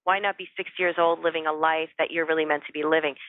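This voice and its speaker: A woman's voice: low voice, fairly even intonation, quick pace, slight background noise. A woman speaking as a spiritual teacher and interview guest, giving earnest, emphatic motivational advice in a conversational way. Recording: phone-like, narrow-band dry call audio.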